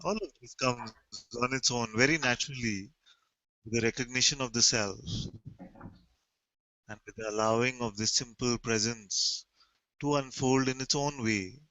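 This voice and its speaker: A man with an Indian accent, answering questions as a spiritual teacher in a calm, gentle way. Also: mid-range voice, moderate pace, no echo, lo-fi sound.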